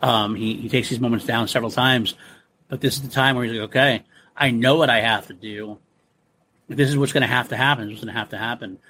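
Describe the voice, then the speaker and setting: A man's voice: medium pitch, fairly even intonation, a little fast, pushed and bright, husky. A man co-hosting a podcast, chatting animatedly about a film, laughing often and acting out characters' lines. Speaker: podcast co-host. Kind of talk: casual film discussion.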